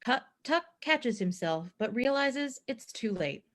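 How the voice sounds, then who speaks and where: A woman's voice: on the high side, lively intonation, measured pace, fairly bright tone. A woman reading stage directions as scripted narration in a play reading.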